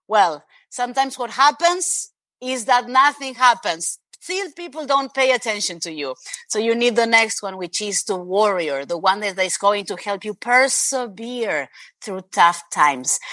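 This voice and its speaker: Spanish-accented lady guest on a video call, bright and a bit high, earnest and emphatic. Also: dry recording. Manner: earnest, emphatic, addresses host by name. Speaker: author and interview guest. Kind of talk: animated interview talk.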